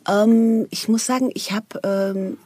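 A woman's voice: a little high, fairly even intonation, slow pace, dark tone, slightly rough, no room sound. A middle-aged woman as a guest on a radio talk show, chatty and enthusiastic, often trailing off mid-sentence. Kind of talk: casual radio chat.

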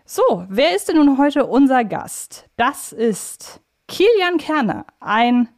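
A woman with a fairly high voice hosts a podcast interview. She speaks in a chatty, conversational way, addressing listeners and guest alike. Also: very animated, takes it slowly. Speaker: podcast host.

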